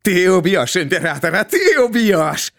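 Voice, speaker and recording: A crazed storybook jester, acted by a man, cocky and unpredictable. He hisses and jumps into sudden high shouts, his pitch swinging widely. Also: sing-song, moderate pace. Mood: hissing. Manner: jumpy, hissing, bursts into shouts. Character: mad male jester, erratic, hissing, shouting.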